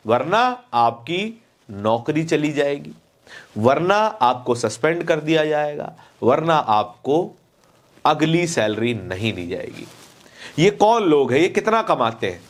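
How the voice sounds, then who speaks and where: A man presenting opinionated news commentary, speaking emphatically with repeated phrases and rhetorical questions. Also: on the high side.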